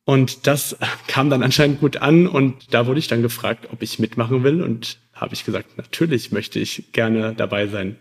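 A man's voice: medium pitch, moderate pace, hardly any pauses. A man in his mid-thirties from Germany, talking casually as a podcast guest and telling about himself. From Wiesbaden, Germany. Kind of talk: casual self-introduction and storytelling.

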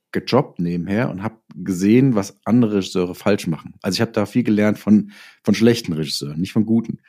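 A man's voice: fairly low pitch, dark tone. A man recounting anecdotes in a conversational interview, often acting out bits of dialogue. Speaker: interview guest, writer and audio drama producer.

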